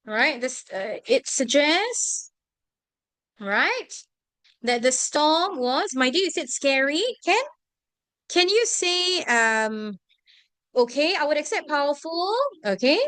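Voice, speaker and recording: Singaporean lady tutor on a video call, high bright voice, dry close sound, always asking right? okay?. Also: takes it slowly, no echo. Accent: Singaporean English. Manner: animated, constantly checking in with "right?" and "okay?". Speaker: tuition teacher. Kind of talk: online revision class.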